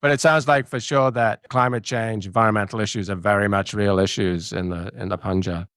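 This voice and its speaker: A man's voice: on the low side, fairly even intonation, a little fast, fairly bright tone, clear, resonant tone, no room sound, studio quality. A man interviewing a student in a casual, affirming way.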